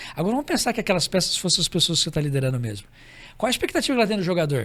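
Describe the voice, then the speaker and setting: On a very clean recording with a silent background, a high-pitched man talks at a very fast pace with very wide pitch swings. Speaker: business executive and leadership speaker. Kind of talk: podcast interview. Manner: animated.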